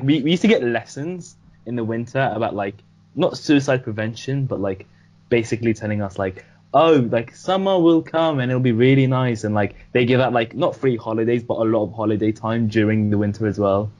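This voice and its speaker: A man's voice: medium pitch, a little fast, a little mellow, dull audio. A young man from Sweden chatting casually on a podcast, swearing freely and filling his talk with "like". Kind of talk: casual chat.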